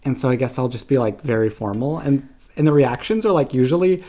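A man's voice: mid-range voice, expressive, brisk, mellow. A young man from Canada telling stories in casual podcast chat, peppering his speech with "like". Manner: chatty storyteller, constant "like". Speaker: podcast guest.

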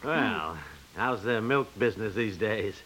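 An actor playing a skeptical, exasperated husband who sputters through a 1950s radio comedy. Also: male voice, lowish voice, a little slow, crowd noise, lightly acted. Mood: awkwardly polite. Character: grumbling, skeptical husband, protective of his aunt.

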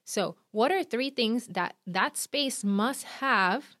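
A woman in her thirties with a Puerto Rican accent, an event planner giving chatty, energetic how-to advice with quick asides. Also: a little high, no echo, studio quality. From Puerto Rico. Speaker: event planner and podcast host. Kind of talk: instructional talk.

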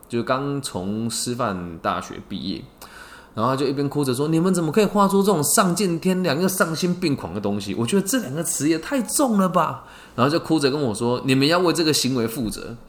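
A man's voice: roomy sound, slight background noise. A man with a Taiwanese Mandarin accent hosting a casual podcast, telling stories animatedly and often checking with listeners. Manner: animated storytelling, acts out quotes with big pitch jumps; frequent checking questions to listeners. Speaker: podcast host. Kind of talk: casual podcast talk on a book.

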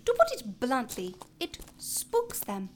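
An actress playing a calm, kindly woman leader who explains things at length and travels with her dog. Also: high voice, slow, full character voice. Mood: friendly. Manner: polite and knowledgeable, prone to rambling.

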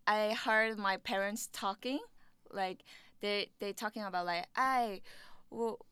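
Young Korean woman, interview guest; bright, very clear tone, dry close sound, hesitant English. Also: mid-range voice, no room sound. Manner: halting, searching for English words, laughs often. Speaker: guest musician. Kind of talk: casual interview chat.

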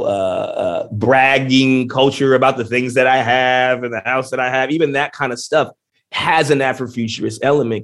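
A man answering interview questions in an emphatic, animated way, often tossing in "you know" and "right". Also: medium pitch. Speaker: guest.

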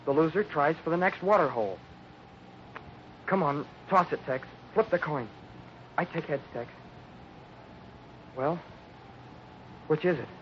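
A desperate young Westerner with a fairly high, urgent, pleading voice. He sounds worn out, in 1950s radio acting on a dull, faintly noisy recording. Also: expressive, a little slow, long pauses. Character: desperate young Western man, exhausted, urging a coin toss. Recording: muffled old radio recording, faint noise.

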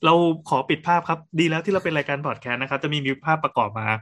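Quick, joking male co-host. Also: fairly high pitch, fairly bright tone. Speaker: podcast co-host. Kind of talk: casual podcast chat.

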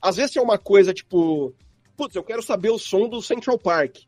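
A man's voice: high voice, expressive, moderate pace, a little mellow, no room sound, soft background music. A man with a Brazilian Portuguese accent chatting casually as a podcast guest, explaining by example with plenty of slang. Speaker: podcast guest, audio drama sound designer.

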